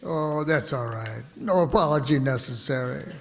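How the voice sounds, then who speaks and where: An actor playing a stubborn, touchy old rural man who answers in slow, flat, deadpan replies. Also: medium pitch, creaky, close to an everyday voice. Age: older. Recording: reverberant old radio broadcast.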